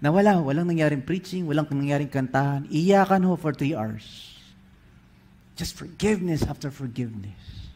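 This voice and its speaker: A man with a Filipino accent preaching a sermon, telling stories in an animated way while switching between English and Filipino. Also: a little high, moderate pace.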